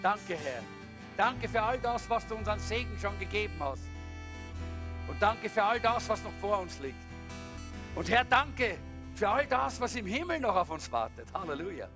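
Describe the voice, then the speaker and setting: A man's voice: high-pitched, very animated, moderate pace, music in the background. A man preaching a sermon that ends in prayer, fervent and calling out hallelujah again and again. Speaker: pastor.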